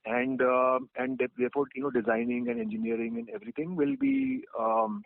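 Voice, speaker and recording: A man's voice: mid-range voice, brisk, vocal fry, no room sound. A male analyst asking probing, polite questions on an earnings call. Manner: polite, probing, lively intonation. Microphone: phone line. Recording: dry tinny phone line.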